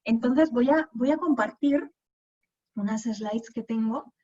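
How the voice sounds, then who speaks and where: A woman's voice: a little high, slow pace, dark tone, dull audio. Madrid woman giving a webinar talk. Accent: Spanish, from Madrid. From Spain. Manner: conversational, frequent fillers and restarts. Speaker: guest speaker. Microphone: video call.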